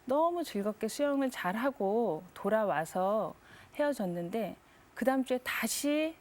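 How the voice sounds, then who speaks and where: A middle-aged woman giving a soft, reflective faith testimony as a guest on a Christian talk show. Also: a little high, lively intonation, a little slow. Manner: soft, reflective, frequent affirming "네".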